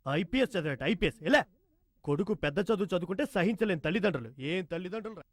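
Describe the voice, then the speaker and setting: An actor playing a loud, meddling comic uncle in Telugu film dialogue, with a Telugu accent and a mocking, teasing way of talking. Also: male voice, high voice, lively intonation, fast.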